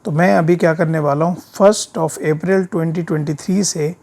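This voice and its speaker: Speaking at normal speed in a steady, slightly high voice, a man with a sore throat narrates a screen recording for his accounting software course. The explanation is informal and step by step, peppered with short tag questions checking that the learner follows.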